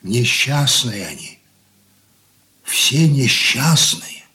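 An actor playing an aging stern merchant father in a radio drama, talking in a slow, heavy, brooding way. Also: medium pitch, animated, pushed and bright, heavily acted. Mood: despairing. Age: older. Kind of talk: 1980s studio radio drama acting.

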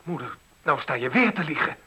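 A forceful, hurt teenage son. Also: male voice, a little high, expressive, a little fast, breathy edge, full character voice. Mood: accusing. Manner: confrontational, intense. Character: hurt, accusing teenage son, passionate and confused. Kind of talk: Dutch radio play acting.

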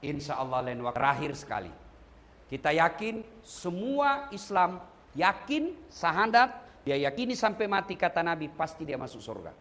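A man preaching at a condolence gathering, animated and humorous, often speaking straight to his listeners. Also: fairly high pitch, normal speed. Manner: animated and humorous, addressing listeners directly as "Pak". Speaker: Islamic preacher.

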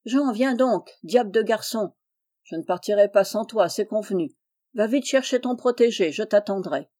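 A woman reading aloud and voicing a brusque, hearty middle-aged farmer, gruff and booming at times. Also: lively intonation, moderate pace, mellow, natural voice.

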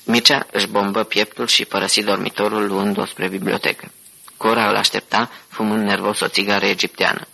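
A man reading an audiobook in a steady, even way. His low voice is gravelly and husky, with a bright, forceful edge. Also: poor audio. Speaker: audiobook narrator. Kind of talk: audiobook narration.

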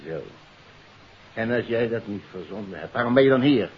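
A man acts out a cornered, suspicious doctor turned criminal in an old radio thriller. The delivery is forceful and exclamatory, with dramatic swings in pitch. The sound is dull and full of noise. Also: expressive, normal speed, close to an everyday voice. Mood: startled, suspicious. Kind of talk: 1950s Dutch radio play acting. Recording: muffled, noisy 1959 radio recording.

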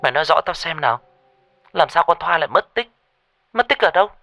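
A man's voice: medium pitch, animated, normal speed, fairly bright tone, faint music behind, voice pushed up. Man doing a level-headed young woman. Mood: concerned. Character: calm, practical young woman.

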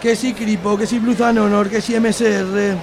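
Man as an excitable high-voiced bar brawler. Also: normal speed, crowd noise, background noise, lightly acted. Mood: excited, indignant. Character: excitable male bar regular, brawling storyteller. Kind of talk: amateur radio soap comedy.

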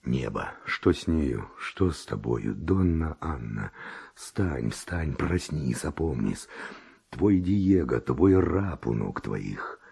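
An actor playing a passionate, pleading seducer in a radio verse drama, with slow declamatory delivery. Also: male voice, extremely low pitch, big pitch swings, creaky, warm tone, husky, exaggerated voice. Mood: ardent, alarmed. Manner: slow, declamatory, rhetorical courting. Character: Don Juan, passionate male seducer, ardent and pleading. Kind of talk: classic Russian radio drama acting of verse.

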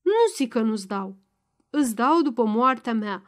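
A woman voicing a stubborn, crafty old peasant father-in-law who speaks in a loud, gruff, mocking way. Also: fairly high pitch, close to an everyday voice. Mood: angry, stubborn.

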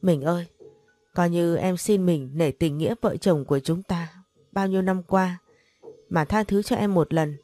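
A woman's voice: lowish voice, measured pace, mellow, no echo, faint music behind, close to an everyday voice. Woman voicing a tearful pleading wife. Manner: begging, sobbing. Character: pleading middle-aged wife, tearful and desperate.

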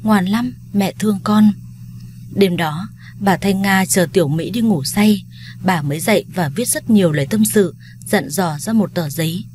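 A woman's voice: fairly low pitch, normal speed, darkish tone, slight background noise. Somber woman narrating a sad story.

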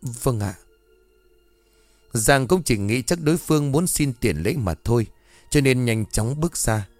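A man's voice: mid-range voice, dry recording. Male ghost story narrator. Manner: even, measured storytelling with voiced dialogue. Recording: dry voice over faint music.

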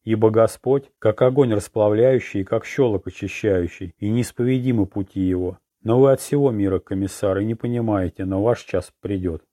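A man's voice: lowish voice, normal speed, hardly any pauses, warm tone, no echo, lightly acted. A man voicing a smug, sanctimonious preacher who speaks self-righteously in an audiobook. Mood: pious.

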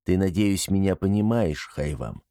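A man's voice: low voice, normal speed, mellow, no echo, close to an everyday voice. A man voicing a proud, stern tribal chief in an audiobook, giving orders in a dry, harsh and emphatic way. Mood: harsh, commanding.

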